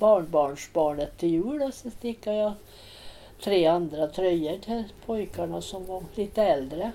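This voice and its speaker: Noticeable background noise sits under the speech. A woman talks very slowly with lively intonation. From Jämtland, Sweden (Storsjö). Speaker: rural villager, retired. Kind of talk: casual interview. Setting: living room at home.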